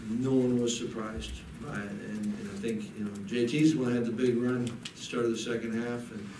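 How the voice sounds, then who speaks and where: Halting coach in an echoey press room. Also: male voice, medium pitch, level tone. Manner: halting, many restarts and repeated words. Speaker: head football coach. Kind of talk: postgame press conference. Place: press room in front of a backdrop. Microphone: table mic on a desk. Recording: echoey room, mic a bit far, audible noise.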